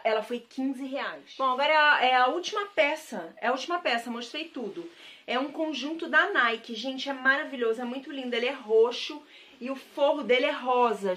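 A woman's voice: fairly high pitch, bright, forceful tone. A woman from Brazil chatting to camera as a vlogger, gushing over her thrift-shop finds and addressing viewers directly. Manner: chatty and gushing, repeats praise words. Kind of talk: casual haul chat to camera.

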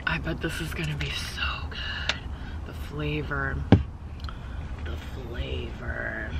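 A woman's voice: rumbling low, slow pace, gravelly, heavy background noise. A woman in her thirties vlogging from inside a parked car, chatting effusively about her food and cooing at her cat. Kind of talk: casual food-tasting vlog chat. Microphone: camera mounted on the dashboard.

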